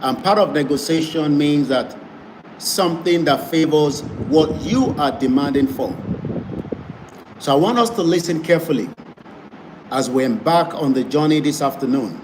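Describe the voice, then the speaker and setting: A man's voice: a little high, moderate pace. A man hosting an online advocacy broadcast, speaking in an emphatic, repetitive campaigning manner. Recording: noisy background.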